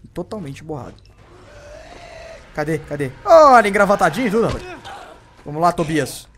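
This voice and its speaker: A young man with a Brazilian accent commentating his gameplay, who swears constantly and yelps and shouts whenever he is startled. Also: fairly high pitch, sing-song, moderate pace, a little hiss or hum. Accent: Brazilian Portuguese. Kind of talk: let's play commentary.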